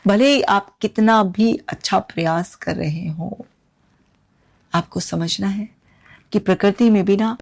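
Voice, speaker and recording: A woman hosting an advice talk, speaking earnestly to viewers with lively emphasis. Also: on the low side. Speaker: talk show host.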